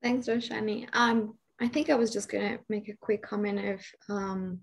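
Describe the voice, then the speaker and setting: A young woman from Colombia commenting and asking a question in a webinar, halting as she searches for words. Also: medium pitch, vocal fry. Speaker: audience discussant. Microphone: laptop mic on video call.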